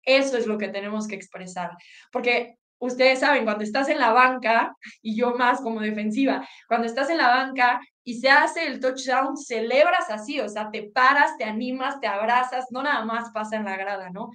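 A woman's voice: a little high, moderate pace. A woman with a Mexican Spanish accent, an athlete and sports commentator, telling stories in a casual interview. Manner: animated storytelling.

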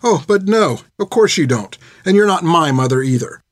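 A defiant, sharp-tongued teenage girl, as a male storyteller puts her on in a lifted voice. She snaps back and throws insults without holding back. The sound is dry and close. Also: on the high side, lively intonation, a little fast, slightly rough, no room sound, voice pushed up. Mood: furious.

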